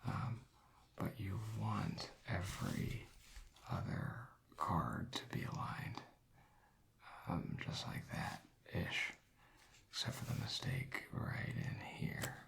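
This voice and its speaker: A man doing a soft-spoken ASMR roleplay as a casino dealer, rambling in a hushed, unhurried way that drifts into a whisper. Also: low voice, wildly swooping pitch, gravelly.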